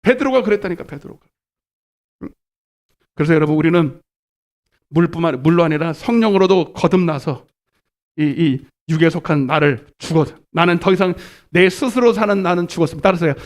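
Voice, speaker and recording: A middle-aged male pastor giving a live sermon in a church, calling the congregation to repeat after him and swinging from shouts to murmurs. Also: a little high, fairly quick, pauses often. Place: church sanctuary.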